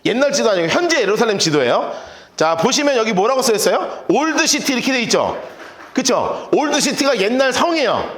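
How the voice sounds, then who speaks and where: A man preaching a casual, playful sermon as pastor, acting out the people in his stories with quick little voices. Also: very high voice, very animated, a bit bright, reverberant. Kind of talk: lively sermon. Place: church sanctuary.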